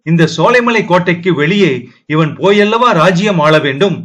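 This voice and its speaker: A man's voice: sits high, lively intonation, moderate pace, a bit bright. A man reading as a furious older king. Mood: seething. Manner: seething.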